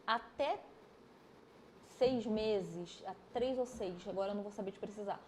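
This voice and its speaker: A woman, an osteopath and physiotherapist, explains things step by step on a podcast, with lively examples. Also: medium pitch, unhurried, slight background noise. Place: podcast studio.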